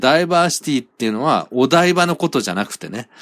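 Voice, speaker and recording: This very clean recording has a silent background. On it, a man talks. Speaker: solo podcaster. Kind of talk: casual solo monologue. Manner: burping between lines.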